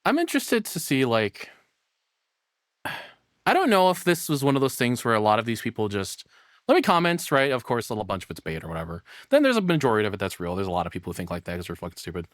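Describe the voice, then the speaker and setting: Guy doing sweary sarcastic reaction commentary, super animated pitch, dry sound w no room echo. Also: fast. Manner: sarcastic, profane. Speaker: reaction streamer. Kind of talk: casual off-the-cuff reaction commentary.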